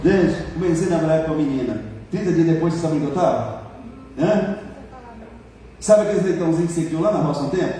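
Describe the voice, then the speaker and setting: A man's voice: on the high side, fast talker, dark tone. A Brazilian man preaching a sermon as pastor, colloquial and joking, building to emphatic exhortation. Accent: Brazilian Portuguese. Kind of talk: sermon with personal testimony. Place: church hall. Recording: echoey church hall from far off.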